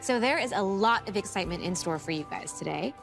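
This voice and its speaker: A woman's voice: mid-range voice, expressive, fast, creaky, music in the background. A woman playing a polished, reassuring host of a scripted comedy reunion special. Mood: upbeat, presenting. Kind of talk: bright scripted TV presenting in a comedy.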